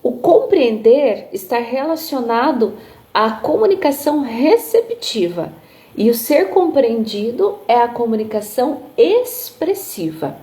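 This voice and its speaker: Woman explaining, mellow higher voice. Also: sing-song, measured pace. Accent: Brazilian Portuguese. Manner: explanatory, tags sentences with né and tá; demonstrates intonations with her voice. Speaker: music therapist teaching. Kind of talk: live online lecture. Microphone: phone livestream.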